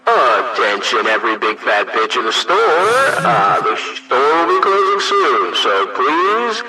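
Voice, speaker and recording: A man's voice: medium pitch, big pitch swings, slow, heavy background noise. A man putting on a rude store cashier making a crude supermarket PA announcement to shoppers. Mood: mocking. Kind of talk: casual joking chat.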